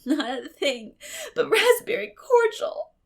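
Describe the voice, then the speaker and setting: A woman's voice: sits high, very animated, takes it slowly, gravelly, pitched above the performer's own voice, heavily acted. A woman voicing a dramatic, effusive young girl in a storybook, with a gushing, wailing manner. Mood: wailing, tearful.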